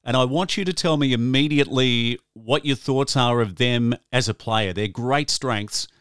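Upbeat male host, smooth voice. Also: mid-range voice, moderate pace, fairly bright tone, dry recording, studio quality. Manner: upbeat, enthusiastic questioning. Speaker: host, sports announcer. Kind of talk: podcast interview.

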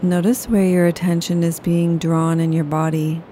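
Soft, low-voiced woman guiding meditation. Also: level tone, slight background noise. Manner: slow, soothing, unhurried. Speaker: yoga nidra guide. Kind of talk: guided meditation.

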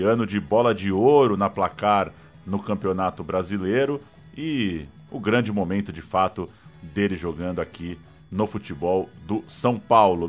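A Brazilian man co-hosting a football history show with conversational, informed storytelling. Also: on the low side. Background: music.

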